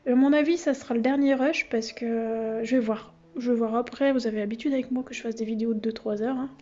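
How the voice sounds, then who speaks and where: A woman with a high, mellow voice talks through her hobby notebooks in a loose, chatty flow. She keeps losing her thread and cutting herself off. The recording sounds slightly dull. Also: steady tone, fast talker. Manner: rambling and self-interrupting, laughs at herself. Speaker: vlogger. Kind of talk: casual chatty vlog talk.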